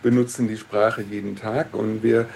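Calm, gravelly-voiced male expert. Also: fairly low pitch, a little hiss or hum. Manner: calm, explanatory, measured. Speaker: interviewed expert. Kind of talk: radio interview.

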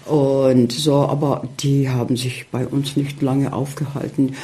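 A middle-aged man, a guest in a casual interview, talking haltingly with many fillers as he searches for words. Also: medium pitch, flat delivery, warm tone.

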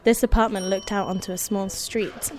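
Originally from Indonesia and raised speaking Indonesian, this woman shares a personal story at a relaxed pace, wry in tone and punctuated by soft laughter. Her pitch is medium and her tone steady.

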